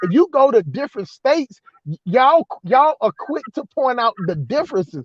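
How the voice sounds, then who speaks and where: A man with a Southern US accent talks at an extremely high pitch and a moderate pace. The sound is dry and close with no echo. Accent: Southern country. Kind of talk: casual.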